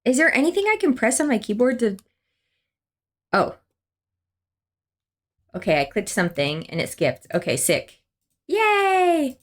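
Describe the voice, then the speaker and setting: A woman's voice: mid-range voice, very animated, normal speed, long pauses. A young woman chatting casually on a game stream, rambling through a story and reading chat aloud. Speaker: livestreamer.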